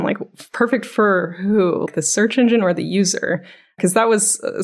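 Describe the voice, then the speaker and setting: A woman's voice: on the low side, creaky. A woman co-hosting a podcast, speaking in an informal, conversational way. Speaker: podcast co-host, technical writer. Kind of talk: casual podcast chat.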